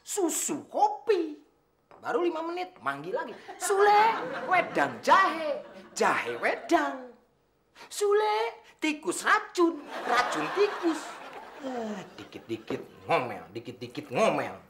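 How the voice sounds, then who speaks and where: A cheeky, vain servant, full of teasing swagger and a lively, bouncing pitch. Noise and audience laughter run under him in a sitcom recording. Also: male voice, takes it slowly, exaggerated voice. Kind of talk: sitcom acting.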